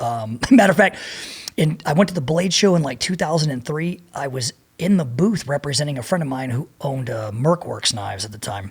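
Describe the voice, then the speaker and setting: With an American accent, a man talks at a fairly quick pace, his pitch fairly high and his intonation lively, with a somewhat breathy quality. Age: 50s. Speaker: war veteran and knife maker. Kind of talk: casual chat.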